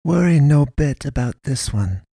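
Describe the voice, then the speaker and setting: A man reading a story, voicing a stern foreign woman pastor who hunts monsters, speaking slow, blunt, broken sentences. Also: mid-range voice, animated, gravelly, warm tone, no echo, clean studio sound, voice pushed up. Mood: grave. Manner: broken grammar, blunt, measured.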